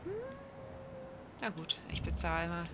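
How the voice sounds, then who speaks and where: Slow, low-voiced woman gamer in her thirties. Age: 30s. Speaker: gaming streamer. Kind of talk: casual let's play commentary. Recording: clear background noise, game ambience.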